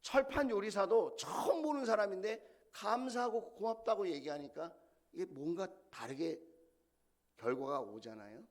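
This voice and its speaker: A man's voice: sits high, animated, moderate pace. A middle-aged male senior pastor delivering a sermon, telling stories with animation and putting questions to the congregation.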